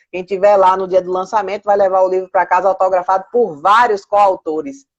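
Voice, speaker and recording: A woman's medium-pitched voice at a moderate pace. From Pernambuco, northeast Brazil. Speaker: psychologist and speaker hosting a live. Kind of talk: live stream chat with audience. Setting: Instagram live video.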